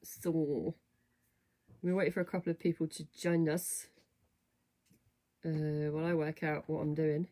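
Croaky woman chatting on a livestream. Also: deep voice, level tone, a little slow, pauses often, mellow. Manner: chatty, rambling, self-deprecating, many fillers. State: croaky, rough voice. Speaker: fitness studio livestream host. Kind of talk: casual livestream chat greeting viewers. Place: home, at a desk. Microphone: webcam or computer mic at a desk.

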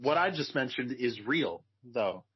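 Husky podcast guy, chill and agreeable, muffled sound. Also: medium pitch, unhurried. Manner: relaxed, agreeable, many yeahs. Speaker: podcast co-host. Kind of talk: casual chat. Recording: dull lo-fi podcast audio.

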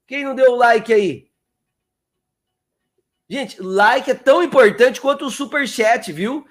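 With an extremely high pitch, a man teaches English on a live stream. He's chatty and coaxing, repeating words slowly so viewers can copy the pronunciation, and calls people out by name.

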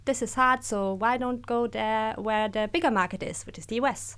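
A woman's voice: on the high side, fairly even intonation, fairly bright tone, clean tone. A woman in her thirties with an Austrian accent, chatting openly and upbeat as a guest on an interview podcast. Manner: chatty and upbeat, quick asides with laughs. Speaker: guest, accelerator program director. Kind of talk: casual interview talk.

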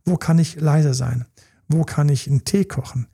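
Speaking at a normal pace, the man has a higher-leaning, warm, slightly rough voice with vocal fry. He's a relationship coach talking casually for a podcast, performing partners' pleas in character and at times slipping into a whisper.

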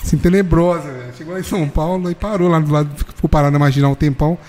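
A man telling an animated, slangy story in casual chat, peppering it with "velho". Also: on the high side, rapid-fire. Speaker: football fan telling a story.

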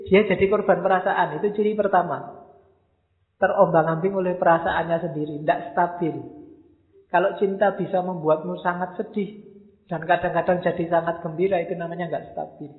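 A man giving a casual, humorous lecture, acting out quoted lines as he goes. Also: fairly high pitch. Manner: humorous, mixes in quoted lines and local slang. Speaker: speaker giving a talk on love. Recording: echoey hall, tinny phone-like sound.

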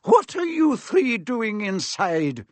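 A stern older woman professor who cuts people off with cold, clipped replies, as a man puts her on. The voice is raised well above the reader's own pitch and swings widely on her rebukes. It is dry and close to the microphone. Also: huge pitch swings, slow pace, no room sound, full character voice. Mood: suspicious.

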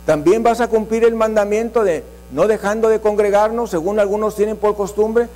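A man's voice: high voice, steady tone, normal speed, dark tone, faint music behind. A man with a Mexican Spanish accent, a pastor preaching a Sunday sermon, repeating a key verse and speaking straight to his congregation.

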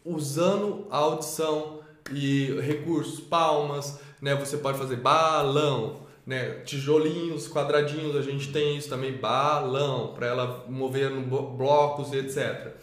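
A man's voice: mid-range voice, fairly even intonation, normal speed, roomy sound. A man presenting a children's literacy method in a lesson, explaining step by step and answering his own questions.

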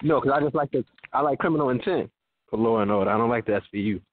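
A man's voice: mid-range voice, very fast. A man calling in on a speakerphone from outdoors by a street, his voice echoing as if in a tunnel. He talks in an easygoing way and chuckles between remarks. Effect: echoing, tunnel-like speakerphone sound. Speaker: caller. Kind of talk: casual chat. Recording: tinny phone line on speaker. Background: passing traffic.

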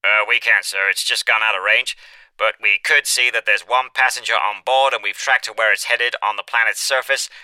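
A man's voice: on the low side, steady tone, fairly quick, hardly any pauses, bright, forceful tone, no room sound, poor audio. A man voicing a hesitant, deferential police officer reporting over the radio.

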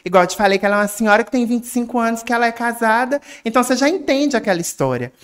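A woman with a Brazilian Portuguese accent, a guest actress in casual podcast chat, animated and laughing often. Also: fairly high pitch, racing.

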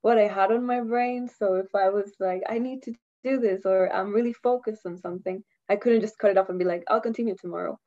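A young woman speaks English, her voice mellow and rounded. She chats loosely, laughing and letting sentences trail off. The sound is dull and lo-fi. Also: medium pitch, fairly even intonation, brisk, few pauses. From Costa Rica. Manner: chatty, laughs often, trails off mid-sentence. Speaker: guest, university student. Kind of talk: casual interview chat. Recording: dull lo-fi audio.

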